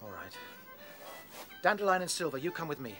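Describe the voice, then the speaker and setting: A man's voice: on the high side, expressive, brisk, a bit bright, soft background music. A British man playing a young rabbit who is a caring, decisive leader in a radio drama. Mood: kindly, decisive.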